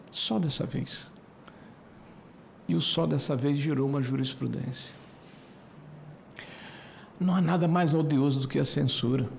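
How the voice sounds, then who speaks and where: A man in his sixties giving a committee floor speech, hesitant with many filler pauses, building to emphatic indignation. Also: on the high side, creaky, a little hiss or hum. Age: 60s. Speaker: senator. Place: senate committee room.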